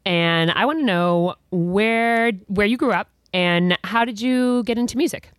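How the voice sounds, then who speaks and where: A woman's voice: mid-range voice, measured pace, clear, resonant tone, no echo, clean studio sound. A woman hosting an interview, chatting casually with many fillers and frequent laughs. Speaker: podcast host.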